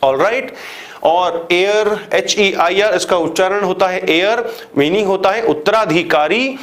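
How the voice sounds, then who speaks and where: This exam-prep English teacher, a man with an Indian accent, speaks in a high, slightly bright voice at a measured pace. His classroom lecture covers grammar for exam students, and he asks questions only to answer them himself while repeating examples step by step.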